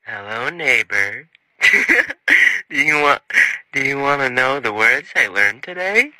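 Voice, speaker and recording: A man voicing a gleeful, foul-mouthed cartoon puppet neighbor with a sing-song manner that bursts into shrill shouts. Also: very animated, slow pace, background noise. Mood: playful, sly.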